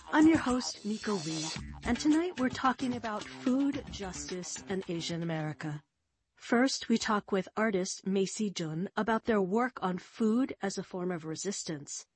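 Husky-voiced woman radio host. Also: medium pitch, dry recording. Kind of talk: hosting an interview.

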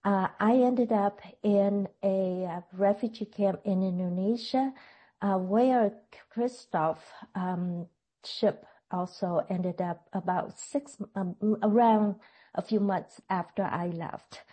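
Female guest, 60s, from Vietnam, slow and mellow, careful delivery. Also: mid-range voice. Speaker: retired nurse and educator guest. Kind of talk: radio interview.

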